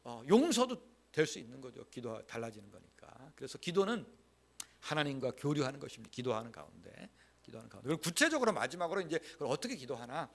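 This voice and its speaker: A man's voice: mid-range voice, big pitch swings, quick pace, creaky, husky. A male pastor preaching a Sunday sermon in a church, repeating key phrases emphatically and leading the congregation to say lines aloud with him. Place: church sanctuary.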